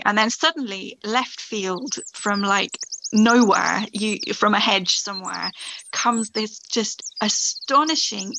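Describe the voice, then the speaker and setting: A woman's voice: mid-range voice, pushed and bright, a little hiss or hum, low-quality recording. A woman guest in a casual interview, speaking with enthusiasm and frequent restarts. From England. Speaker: podcast guest, writer.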